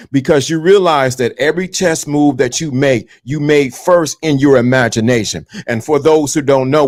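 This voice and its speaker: Preachy man in his fifties. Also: fairly high pitch. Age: 50s. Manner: repetitive, preachy, addresses viewers directly. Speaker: livestream host. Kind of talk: live-stream motivational talk.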